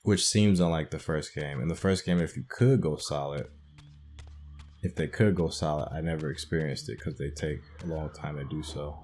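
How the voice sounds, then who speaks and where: Low-voiced man musing through a game. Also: steady tone, normal speed, darkish tone, slight background noise. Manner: thinking aloud, musing and hesitant. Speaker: gaming channel host. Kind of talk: casual video game playthrough commentary.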